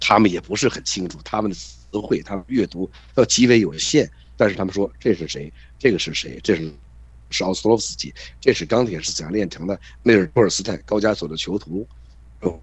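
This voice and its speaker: A man's fairly low voice with vocal fry, lively intonation and a fairly quick pace. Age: 60s. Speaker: writer and translator. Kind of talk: interview. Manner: halting.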